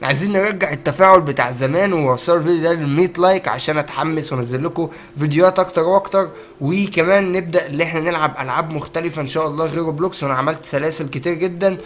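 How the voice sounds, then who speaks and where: A young Egyptian man races through excitable, joking gameplay commentary and keeps turning to his viewers. His speech is quick, and a faint hiss of noise sits under the voice. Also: fairly high pitch. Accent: Egyptian Arabic. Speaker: gaming YouTuber. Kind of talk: let's-play commentary.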